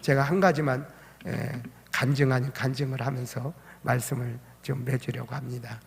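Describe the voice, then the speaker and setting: A man's voice: medium pitch, steady tone, moderate pace, creaky. An older man, a retired pastor, preaching a sermon, telling stories and building up to emphatic exclamations. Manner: storytelling with rising emphatic exclamations. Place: church sanctuary. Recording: church hall reverb.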